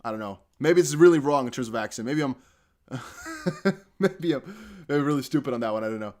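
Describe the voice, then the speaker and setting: A man's voice: mid-range voice, expressive, normal speed, a little mellow. Rambling young man from the Netherlands. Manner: rambling, laughs often, many fillers. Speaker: crypto livestream host. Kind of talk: casual live stream chat.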